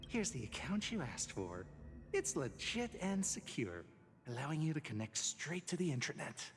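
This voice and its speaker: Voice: mid-range voice, very animated, normal speed. An actor playing a chummy, falsely humble black-market peddler in a video game, wheedling along. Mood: sly, friendly. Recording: reverberant, music underneath.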